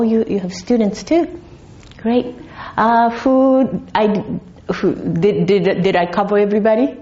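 Mellow woman lecturing. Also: a little high, dull audio, a little hiss or hum. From Japan. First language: Japanese. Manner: chatty, many restarts, polls the audience. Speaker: guest lecturer. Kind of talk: conference talk to an audience. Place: darkened lecture hall.

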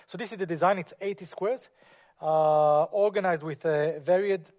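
A man's voice: a little high, normal speed, a little mellow. A man presenting his architecture projects to an audience, speaking non-native English with many fillers and restarts. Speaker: architect giving a talk. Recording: muffled, lo-fi.

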